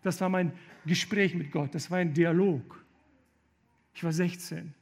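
A man preaching a sermon and telling his own testimony, passionate, with loud emphatic appeals and halting, stammered restarts. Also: a little high, fairly even intonation.

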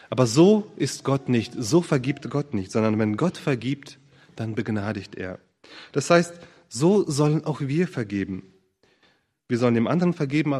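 A man preaching a sermon in an earnest, searching way, often pausing with fillers and restarting his sentences. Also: mid-range voice, darkish tone, long reverb tail.

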